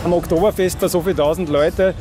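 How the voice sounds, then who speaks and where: An Austrian man reports from an event for radio. His voice is fairly high, with loud music running behind his narration and questions. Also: fairly even intonation, a little fast.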